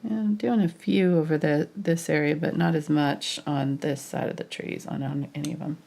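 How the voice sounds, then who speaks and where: A woman with a low, husky voice, congested from a cold, guides a live painting tutorial. Her delivery is casual and murmured, trailing off as she works, with a gravelly creak. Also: steady tone, normal speed, warm tone. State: sick with a cold, sniffly, audible breathing. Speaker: painting instructor, live show host.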